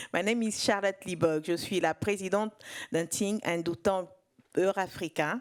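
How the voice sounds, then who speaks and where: A woman with a French accent and a fairly low pitch talks at a fairly quick pace in a very clean recording with a silent background. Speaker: audience member, think tank president. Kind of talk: audience question.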